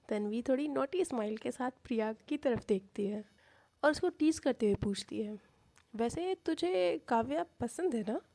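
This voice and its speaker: A woman's voice: on the high side, warm tone. A woman narrating a love story in a casual, chatty way.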